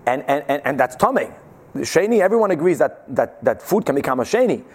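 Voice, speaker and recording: A man's voice: fairly high pitch, very animated, fast, darkish tone, breathy edge. A man giving an informal religious lecture as a teacher, emphatic and explanatory, mixing in Hebrew and Yiddish terms. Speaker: Talmud teacher.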